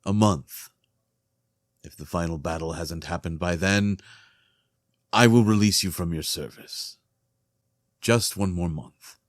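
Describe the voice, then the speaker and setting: A man playing an earnest, weary king in a fantasy audio drama, speaking in a solemn, measured, formal way. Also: deep voice, dry recording, studio quality. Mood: reassuring. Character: earnest, weary king, devoted husband and loyal friend.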